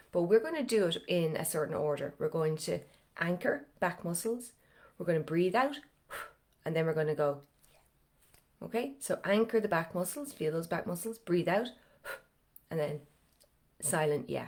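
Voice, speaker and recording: An Irish accent colors this woman's fairly low voice. She speaks at a moderate pace, with long, frequent pauses. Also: lively intonation. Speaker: singing teacher. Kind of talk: tutorial. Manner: casual, conversational.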